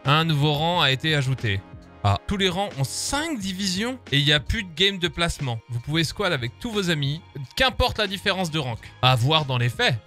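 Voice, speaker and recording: A man's voice: fairly high pitch, big pitch swings, normal speed, sharp tone, faint music behind. A man with a French accent, casually commenting on a game update while joking and swearing as he reads patch notes aloud. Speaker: gaming streamer. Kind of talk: casual live-stream commentary.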